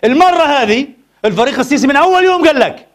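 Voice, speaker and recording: Man, Friday sermon in a mosque, very high-pitched, breakneck pace, impassioned, rhetorical questions. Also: expressive, very fast. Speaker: preacher.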